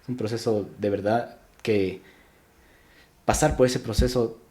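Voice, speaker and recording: A man's voice: lowish voice, fairly even intonation, a little slow, mellow. A young man from Ecuador, a podcast guest, talking reflectively in casual interview chat with frequent restarts.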